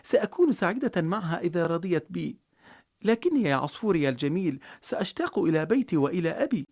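A storyteller voicing a timid, sad little girl in a storybook, with a raised, husky voice and wide swings in pitch. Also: big pitch swings, quick pace, darkish tone. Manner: anxious, pleading.

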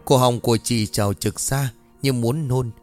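Male narrator, steady dramatic storytelling, mid pitch, faint music bed. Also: normal speed.

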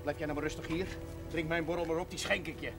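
An actor playing a friendly, sporty Catholic priest who reasons informally and wryly, in a naturalistic 1970s television drama. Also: male voice, on the high side, fairly even intonation, fast, natural voice. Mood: worried, soothing. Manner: informal, reasoning, gently wry. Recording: audio of 1970s television broadcast, music.

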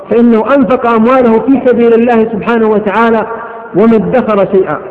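Fast, high-pitched preacher in an echoing hall. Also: male voice. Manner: fervent, rapid preaching with recited verse and quotations. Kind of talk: sermon. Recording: echoey hall, tinny lo-fi recording.

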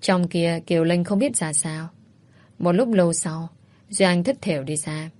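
A woman reading a drama story aloud in a steady, even narration. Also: on the low side, normal speed.

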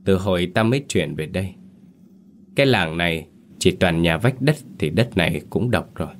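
A man's voice: low voice, expressive, moderate pace, slight background noise. A man voicing a grim older village man who speaks stern warnings.

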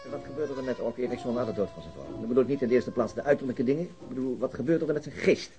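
A man playing a brisk, probing police detective in a radio drama, with questions broken by small hesitations. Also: mid-range voice, lively intonation, music in the background, natural voice. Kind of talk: Dutch radio drama dialogue.

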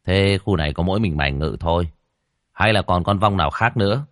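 A man voicing a brusque young male exorcist who questions fast and scolds sternly. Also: sits low, a bit bright, no room sound, clean studio sound.

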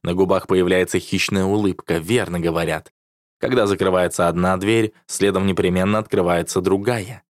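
A man's voice: deep voice, steady tone, moderate pace, no room sound, clean studio sound. A man reading a novel aloud in the first person, with a wry, sardonic manner. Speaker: audiobook narrator.

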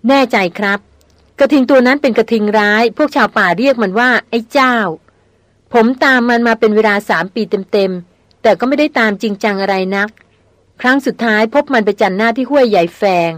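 A woman's voice: fairly high pitch, a little fast, dry recording, lightly acted. Woman voicing Rapin, a tough veteran hunter. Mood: recounting.

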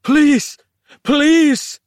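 A man voicing a panicking Italian sidekick, with shrill, outraged yelling. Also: expressive, normal speed, no room sound, studio quality. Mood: pleading.

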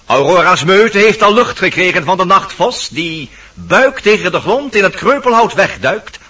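A commanding, poetic forest narrator declaims radio-play verse. The voice is high and sharp, somewhat distant in a dull recording. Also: male voice, husky, full character voice.

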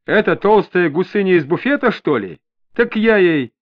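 Guy doing a rude young thug in an audiobook, snarly slangy, jumps around in pitch, muffled lo-fi sound. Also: wildly swooping pitch, measured pace, heavily acted. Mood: angry, defiant. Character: hostile young male petty thug under interrogation. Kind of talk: audiobook character voice. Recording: dull lo-fi audio.

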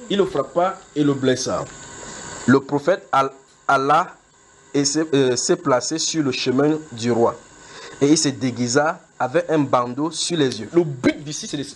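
A man preaching a sermon who retells scripture as a film, with lively, joking storytelling. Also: on the high side, a little hiss or hum. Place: church.

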